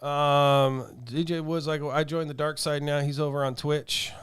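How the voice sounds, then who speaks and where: A man's voice: on the high side, level tone, unhurried, a bit bright, smooth, no room sound. A man co-hosting a DJ podcast in casual chat, friendly and teasing, rambling a little and calling people buddy and dude. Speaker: DJ and podcast co-host.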